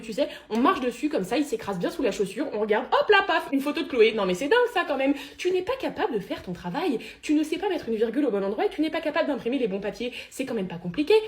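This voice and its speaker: A woman's voice: on the high side, natural voice. A woman voicing a cheeky, foul-mouthed female pet dog in a comedy sketch, crude and theatrical. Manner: crude, deadpan then explosive. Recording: roomy echoey room.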